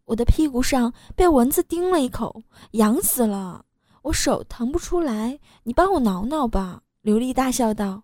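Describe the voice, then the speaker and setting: Woman reading a story out loud, relaxed, soft warm tone, dead dry sound. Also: fairly high pitch, normal speed, no room sound. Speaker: story reader. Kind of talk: first-person story reading.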